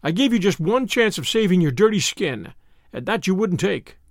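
A cocky young American man, acted by a male narrator, drawls his threats with cheerful menace. His voice is fairly high for a man and very animated. It is storybook dialogue, recorded dry. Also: moderate pace, dry recording. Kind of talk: dramatised audiobook dialogue.

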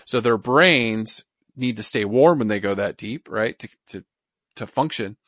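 A man's voice: fairly low pitch, measured pace, fairly bright tone, dry recording. A man co-hosting a podcast, explaining science in an informal, chatty way and often repeating himself. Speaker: podcast co-host. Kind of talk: casual science chat.

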